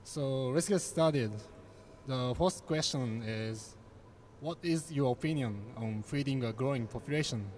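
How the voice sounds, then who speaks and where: A young man, moderating a panel with measured questions. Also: mid-range voice, darkish tone, a little hiss or hum. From Japan.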